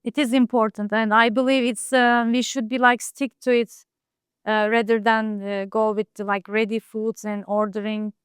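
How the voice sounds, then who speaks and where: A woman, a home cook talking casually in an interview, soft-spoken and hesitant with many fillers. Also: on the high side, little pitch movement, normal speed, smooth, dry recording, studio quality. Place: home in Istanbul.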